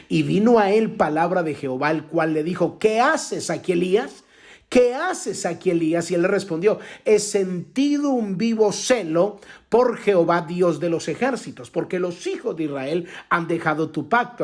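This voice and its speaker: Husky older man preaching with fervor. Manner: impassioned preaching with sudden high, drawn-out cries. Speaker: pastor. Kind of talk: devotional sermon.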